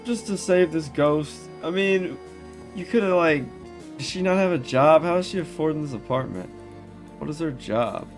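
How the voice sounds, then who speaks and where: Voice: medium pitch, moderate pace, faint music behind. Sarcastic, profane let's play host. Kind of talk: casual gameplay commentary.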